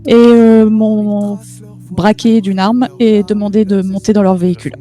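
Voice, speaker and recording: Woman as a soft-toned, hesitant victim testifying. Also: mid-range voice, steady tone, faint music behind, close to an everyday voice. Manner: halting, careful. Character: hesitant female kidnapping victim testifying in court. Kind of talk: improvised online game roleplay.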